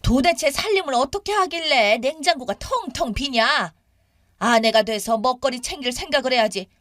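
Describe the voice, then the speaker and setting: A woman voicing a nagging older mother-in-law who scolds sharply and shouts demands. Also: sits high, lively intonation, moderate pace, no echo, clean studio sound, voice pushed up. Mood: scolding.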